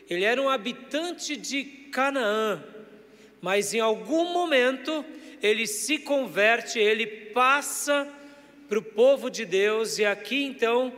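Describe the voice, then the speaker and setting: High-voiced, slow-preaching man. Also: a bit bright. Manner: slow, emphatic preaching, drawing out key words; addresses congregation directly with questions. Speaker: pastor. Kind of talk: sermon. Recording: church hall reverb.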